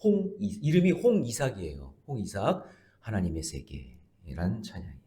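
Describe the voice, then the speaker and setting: A man preaching a dawn prayer service sermon as a pastor, emphatic and questioning the congregation, swinging between loud exclamations and soft asides. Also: fairly low pitch, sing-song, normal speed. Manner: talks directly to the congregation with questions.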